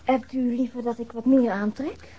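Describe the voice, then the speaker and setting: A woman's voice: a little high, steady tone, normal speed, mellow, husky. An actress playing a casual, chatty, slightly uneasy young woman in a radio drama, informal and rambling. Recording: dull, band-limited audio.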